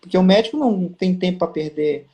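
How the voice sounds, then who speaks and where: A man's voice: high-pitched, a little fast, dull audio. A Brazilian man on a video call, telling stories as an interview guest and acting out quoted exchanges. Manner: storytelling, animated quoting. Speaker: guest, pharma district manager. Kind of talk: casual live interview.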